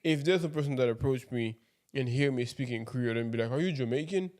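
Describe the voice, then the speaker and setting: A man's voice: mid-range voice, fast, darkish tone. Haitian man chatting on a podcast. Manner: conversational, tells anecdotes, acts out dialogue. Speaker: podcast co-host. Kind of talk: casual chat.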